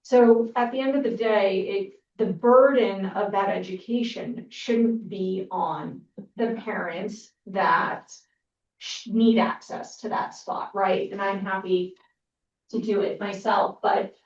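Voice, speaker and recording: Brief: woman parent advocate, gravelly, storytelling, echoey and distant. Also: medium pitch, steady tone, slow, a little mellow. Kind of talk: public meeting discussion. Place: meeting room. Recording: echoey room, distant mic, dull sound.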